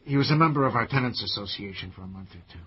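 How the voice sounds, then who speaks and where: A man's voice: fairly low pitch, lively intonation, rapid-fire, breathy edge, muffled recording. A man playing an anxious, defensive older gay owner of a cleaning business in a radio drama, agitated, stammering and sardonic. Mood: subdued, troubled.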